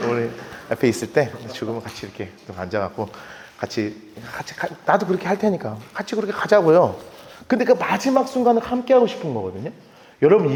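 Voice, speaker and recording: Male pastor, animated sermon delivery, high and expressive, echoey church sanctuary. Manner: animated, lively storytelling with acted-out quotes and laughter. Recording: echoey church hall with long reverb.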